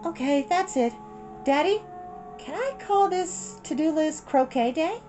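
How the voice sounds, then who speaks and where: Reader doing an earnest high-voiced young girl. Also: lively intonation, a little slow, warm tone, faint music behind. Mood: eager, helpful. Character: earnest, responsible young girl, the older sister.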